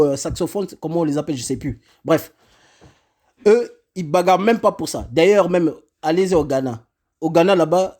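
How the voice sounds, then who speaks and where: Brief: vlogger, male, high pitched, heated repetitive rant. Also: dark tone. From Congo. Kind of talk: angry rant to camera.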